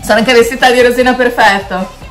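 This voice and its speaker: A woman's voice: a little high, steady tone, fairly quick. A young Italian woman reacting to a music video, gushing, stammering and singing along. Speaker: kpop reaction youtuber. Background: music playing.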